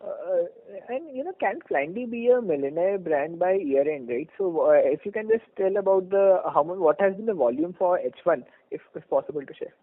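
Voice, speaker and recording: An Indian-accented man puts questions as an analyst on a business call. His voice sits a little high, and he is polite and hesitant. The phone line sounds dry and narrow. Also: animated, normal speed, no echo. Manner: polite, hesitant questioning with frequent "you know". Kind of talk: earnings call Q&A. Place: conference call.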